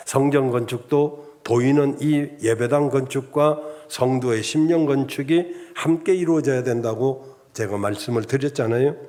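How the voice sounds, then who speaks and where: Korean man preaching a measured sermon. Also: mid-range voice, mellow. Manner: measured preaching with enumerated points and rhetorical asides. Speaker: pastor. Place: church sanctuary.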